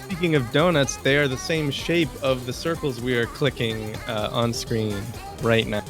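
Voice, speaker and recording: A man doing play-by-play commentary on a game tournament, relaxed and calling plays in short bursts. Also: medium pitch, normal speed. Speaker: esports commentator. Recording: game music playing underneath.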